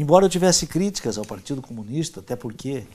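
Here a man talks at a fairly quick pace. His voice is somewhat breathy, with a dark, mellow tone. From northern Paraná, Brazil. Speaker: former political prisoner. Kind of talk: testimony.

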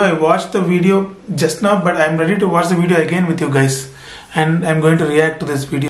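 In a room with audible echo, a man talks at a moderate pace with fairly even intonation. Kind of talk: casual vlog chat. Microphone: phone near.

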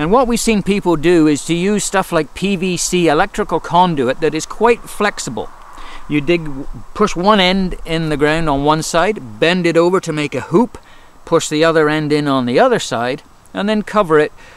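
A man at a moderate pace, ordinary pitch variation, dry sound with no echo. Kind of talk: garden tour explanation. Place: garden.

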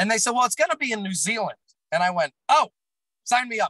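Raised and projected, the voice has a bright, sharp tone, an American accent, lively intonation and a fairly quick pace, with a dry sound with no echo and light background noise. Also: man. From New England. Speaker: accordionist. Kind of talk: casual interview chat. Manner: animated. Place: car. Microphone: video call.

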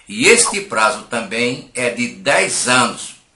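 A man speaks very slowly in a bright, sharp tone with ordinary pitch variation. The room echo is audible, but the background is quiet. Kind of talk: explanatory commentary to camera. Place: home room.

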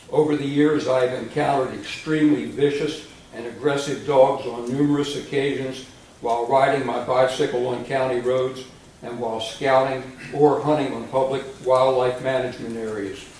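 Speaking at a moderate pace and medium pitch, a man keeps a monotone, flat intonation while his loudness swings widely, with audible room echo and noticeable background noise. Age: 70s. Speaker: public commenter at county meeting. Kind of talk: prepared public comment. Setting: county commission meeting. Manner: formal.

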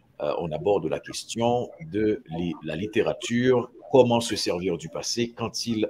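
Over light background noise, a man speaks at a very slow pace with lively intonation. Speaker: panel moderator. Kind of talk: panel discussion. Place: home room. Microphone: video call.

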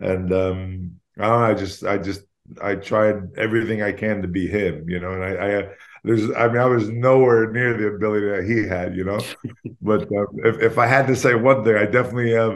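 In an American accent, the speaker talks at a fairly quick pace. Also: man, fairly low pitch for a man. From United States. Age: 50s. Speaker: former basketball player and commentator. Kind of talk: casual interview. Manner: animated. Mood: reflective, storytelling. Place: home room. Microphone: video call.

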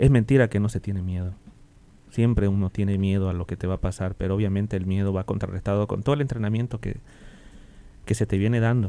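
A man's dark, mellow voice, fairly low in pitch, at a very fast pace with fairly even intonation. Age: 30s. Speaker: volunteer firefighter; guest. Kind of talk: radio interview. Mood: earnest, reflective. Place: studio. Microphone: studio mic.

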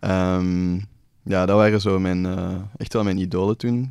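Against a quiet background, a man with a very deep, low pitch speaks at a fairly slow pace in a monotone, flat intonation, the sound dry with no echo. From Belgium, Antwerp; Belgium. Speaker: rapper and singer; guest. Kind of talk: casual interview chat. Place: studio. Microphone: studio mic.

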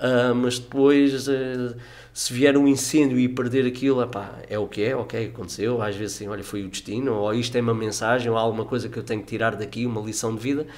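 A man with an unremarkable speaking voice talks in a medium pitch. His pace is fairly quick and his intonation fairly even. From United States, raised by Portuguese parents. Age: 50s. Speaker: doctor and musician; podcast guest. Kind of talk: casual chat. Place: studio. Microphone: studio mic.

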